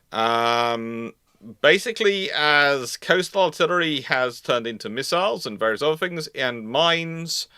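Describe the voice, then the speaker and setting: A man with a bright, forward voice hosts an unscripted question-and-answer session. He sounds close and dry, and he often breaks off to correct and rephrase himself as he explains. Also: medium pitch, no room sound. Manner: halting, self-correcting, rephrasing mid-sentence. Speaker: host of a naval history live Q&A. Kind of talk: unscripted live discussion, answering viewer questions.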